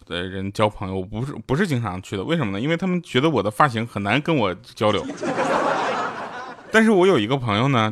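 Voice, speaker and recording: A man's voice: mid-range voice, a bit bright. A man hosting a comic talk show, teasing his listeners and laughing at his own punchlines. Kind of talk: comic chat with listener stories.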